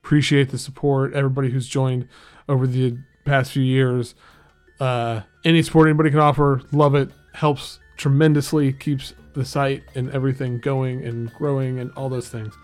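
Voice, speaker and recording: A man's voice: medium pitch, flat delivery, normal speed. A man hosting a daily music podcast, reviewing an album in an enthusiastic, rambling way with many fillers and restarts. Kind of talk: casual spoken album review.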